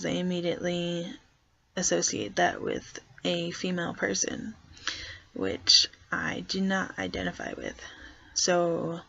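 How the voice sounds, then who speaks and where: A young trans guy talks slowly and hesitantly in a casual vlog, with a gravelly, creaky edge. He deliberately pushes his voice lower as he speaks. The recording sounds dull and lo-fi. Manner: hesitant, soft-spoken, consciously pitching voice lower. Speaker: vlogger.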